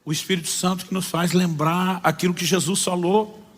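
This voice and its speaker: Preaching in a big room, a Brazilian pastor weaves stories into his sermon and plays out each character's lines with animation. He has a high, slightly rough voice, a Brazilian Portuguese accent, and a moderate pace.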